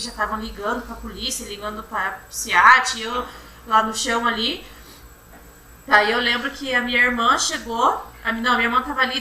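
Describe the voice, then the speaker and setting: A young woman giving courtroom testimony, retelling events in a halting, repetitive way. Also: a little high, pushed and bright. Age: young adult. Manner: halting, repetitive retelling, often restarting with "then". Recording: roomy courtroom from far off, faint hum.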